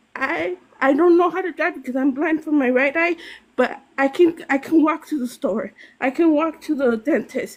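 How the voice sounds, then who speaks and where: Using ordinary pitch variation, a woman with an American accent speaks at a moderate pace in a high voice. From Los Angeles, US West Coast. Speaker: live stream participant. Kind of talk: emotional personal testimony. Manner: halting, repeats words.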